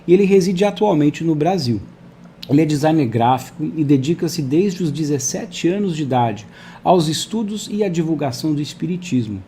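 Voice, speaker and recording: A fairly high-pitched man hosts a live online interview from a video call, talking in a friendly, chatty way to viewers and his guest. His voice is soft and mellow. A faint ambient hiss sits behind him. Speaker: host.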